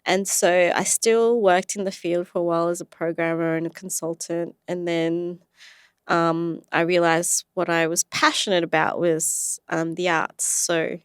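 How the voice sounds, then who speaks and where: Low-voiced woman telling her story. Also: a little slow, clean tone, no echo, studio quality. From Australia. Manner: animated storytelling, frequent laughs and fillers. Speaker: guest, animator and researcher. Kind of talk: casual interview.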